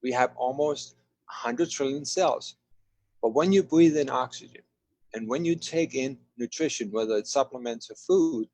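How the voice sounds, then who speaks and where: A man's voice: medium pitch, darkish tone, no echo, rough recording. A man from Denmark presenting slides as a webinar guest, enthusiastic, with lots of "uh" and "right?". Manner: enthusiastic, many fillers and "right?".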